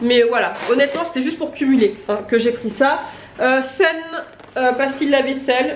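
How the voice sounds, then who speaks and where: Over noticeable background noise and audible room echo, a woman talks at a high pitch. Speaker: family vlogger. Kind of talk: casual vlog, grocery haul.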